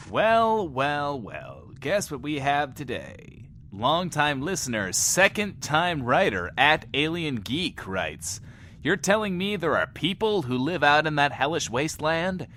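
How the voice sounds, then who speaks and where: An actor playing a cheeky, theatrical radio show host in a post-apocalyptic audio drama, playful and teasing with mock indignation. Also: male voice, fairly high pitch, pushed and bright, a little hiss or hum, heavily acted. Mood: wry, showy, then amused.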